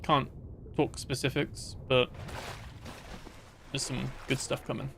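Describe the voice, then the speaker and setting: A man's voice: mid-range voice, level tone, takes it slowly, gravelly, noisy background. A man chatting casually while livestreaming a game, rambling with many fillers and restarts as he talks to his viewers. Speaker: gaming livestreamer. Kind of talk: casual live gameplay chat.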